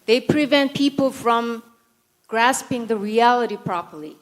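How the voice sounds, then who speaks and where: A woman's voice: a little high, measured pace. A woman from South Korea, a native Korean speaker, delivering a prepared conference speech in Korean-accented English, full of dry, sarcastic humor and mock-serious asides.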